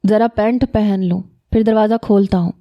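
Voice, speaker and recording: A woman's voice: mid-range voice, fairly even intonation, muffled recording, natural voice. Woman voicing a cheeky scheming young man. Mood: teasing. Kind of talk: storybook reading.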